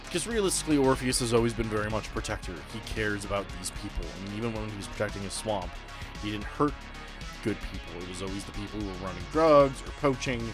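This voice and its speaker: A man's voice: lowish voice, fast, over music. Casual man running a tabletop game. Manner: casual, swearing, talking players through the scene. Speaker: game master. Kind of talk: improvised narration of a tabletop game.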